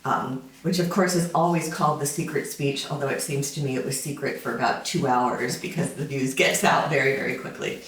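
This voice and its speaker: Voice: mid-range voice, steady tone, a little fast, few pauses, fairly bright tone, a little hiss or hum. A lecturer in their fifties giving an informal summer school talk, conversational and full of fillers, with wry asides. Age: 50s. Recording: roomy sound from a distant mic.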